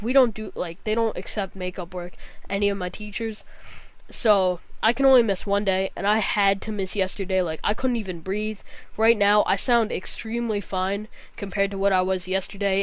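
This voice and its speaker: A woman's voice: medium pitch, clear, resonant tone, dry recording. A young woman with a nasal, congested voice from a cold, giving a casual, rambling gaming vlog. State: sick with a cold, scratchy throat, nasal. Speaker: gaming vlogger.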